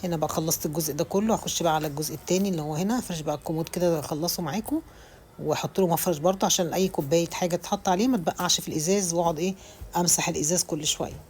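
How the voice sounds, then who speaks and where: A woman in her thirties with an Egyptian Arabic accent, a home vlogger, rambles casually about cleaning her home in a voice-over full of restarts. Her voice is lowish and darkish, and she talks rapid-fire. There's slight background noise.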